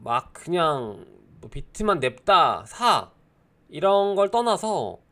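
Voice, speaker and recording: A man's voice: on the high side, very animated, slow pace, sharp tone. A young man giving casual crypto market commentary, explaining at length with many hesitant fillers. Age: young adult.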